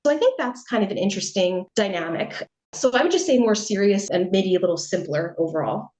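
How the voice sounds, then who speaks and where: A woman's voice: medium pitch, animated, a little fast, darkish tone. A middle-aged American woman talks through her answers in an easy, conversational manner. She hedges often and muses aloud, with a light laugh now and then. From United States. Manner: chatty, reflective, with frequent hedges and laughs. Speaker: interview guest, writer. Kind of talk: casual interview answers.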